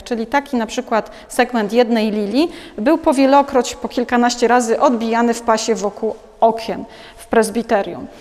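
A woman's voice: fairly high pitch, a little mellow, long reverb tail. A woman in her forties, a museum curator, giving an unscripted gallery talk with frequent hesitations and restarts, recorded on a lapel mic. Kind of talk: gallery talk about artworks. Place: large museum gallery, indoors.

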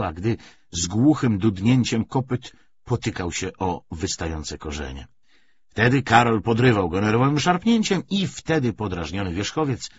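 A man narrating a literary audiobook in an expressive, scripted reading style. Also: fairly low pitch, highs cut off, slight background noise.

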